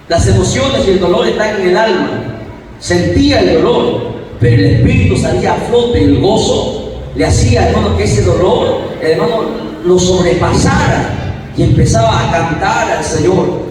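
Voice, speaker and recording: A man with a high voice preaches an interactive sermon in a church meeting room, quizzing his listeners and calling on them by name. He is emphatic, moving between loud and soft. He sounds far from the mic in a very echoey hall with long reverb and a faint background hiss. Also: expressive, unhurried. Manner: questions the congregation and calls on members by name.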